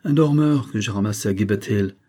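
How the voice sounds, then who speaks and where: A man's voice: on the low side, brisk, warm tone, lightly acted. A man voicing an easygoing male gypsy traveller who talks in a jovial, familiar way.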